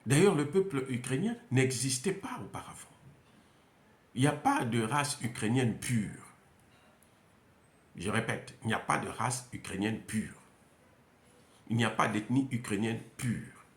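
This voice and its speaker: A man's voice: mid-range voice, animated, a little slow, long pauses. A man with a Central African French accent giving an emphatic, unscripted monologue, repeating phrases and hesitating often. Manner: emphatic, repetitive, many hesitations. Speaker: commentator. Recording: roomy echo.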